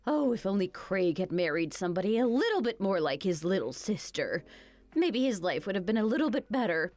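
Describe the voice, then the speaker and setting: A woman voicing a cruel, greedy older mother-in-law who mocks and insults in an animated story. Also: medium pitch, brisk, close to an everyday voice. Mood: sneering. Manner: sneering, insulting, mocking.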